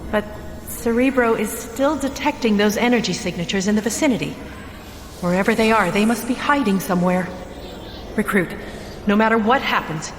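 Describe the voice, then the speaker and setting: A woman's voice: mid-range voice, close to an everyday voice. A woman playing a kind, experienced psychic mentor in an audio drama, guiding a recruit with earnest reassurance. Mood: concerned. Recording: echoey, reverberant, noisy.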